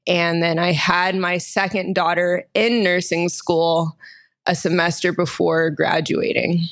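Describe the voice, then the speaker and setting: Woman, 30s, from Texas; podcast guest, candid and quick, slightly low voice. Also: flat delivery. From Austin, Texas, USA. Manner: candid, quick, laughs often while telling her story. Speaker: guest, nurse injector. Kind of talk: casual podcast interview.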